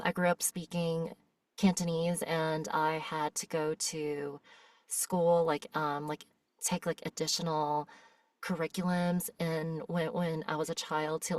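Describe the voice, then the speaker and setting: A woman's voice: deep voice, no echo. A young American woman, a voice actress, talking candidly and thoughtfully as a guest in a casual interview. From United States. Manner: reflective and candid. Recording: voice a bit distant from the mic.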